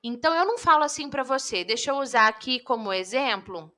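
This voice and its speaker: Lady coaching public speaking live, high bright voice, chatty and direct. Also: brisk. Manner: lively, addresses viewers directly. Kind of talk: live online lesson.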